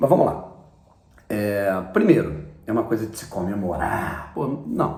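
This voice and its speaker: A man with a Rio de Janeiro accent talks in a fairly low pitch with lively intonation. Audible room echo and noticeable background noise surround him. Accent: carioca. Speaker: football YouTuber, former sports journalist. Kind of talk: casual vlog commentary. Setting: home recording late at night. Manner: informal, hesitant with fillers.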